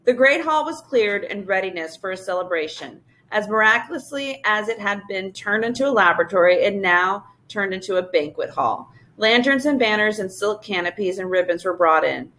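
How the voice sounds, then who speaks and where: Teacher narrator, woman, mid-pitched: steady, expressive read-aloud of a children's book. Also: normal speed, hardly any pauses. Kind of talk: reading a children's novel aloud.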